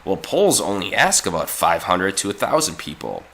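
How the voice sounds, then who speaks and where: A man hoarse from a cold giving opinionated, informal political commentary in an emphatic, repetitive way. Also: sits low, very animated, normal speed, a bit bright.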